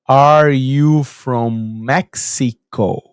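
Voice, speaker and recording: A man voicing an older woman neighbor who asks blunt, suspicious questions in a slow, drawn-out voice. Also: mid-range voice, clear, resonant tone, dry recording, studio quality.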